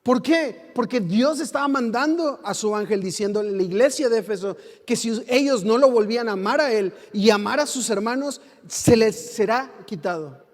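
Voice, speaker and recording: A man preaching with a Mexican accent, his voice sitting high for a man. He preaches fervently, throwing rhetorical questions at the congregation. A long hall reverb trails every phrase, as in a church sanctuary. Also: animated, normal speed, few pauses. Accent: Mexican Spanish. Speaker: pastor. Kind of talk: sermon.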